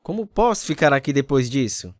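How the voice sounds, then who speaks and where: A man's voice: mid-range voice, sing-song, a little fast, dry recording, studio quality, natural voice. An actor playing a troubled, repentant man telling his own story as a dramatised radio testimony. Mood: humiliated, defeated. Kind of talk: first-person dramatised testimony narration. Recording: music behind the voice.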